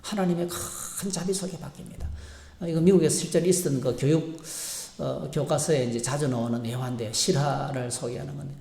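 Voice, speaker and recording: A male pastor preaching a sermon, moving between animated storytelling and quieter reflection, with frequent fillers. His voice is gravelly. The reverberant church sanctuary gives it a roomy sound. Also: on the high side, fairly quick.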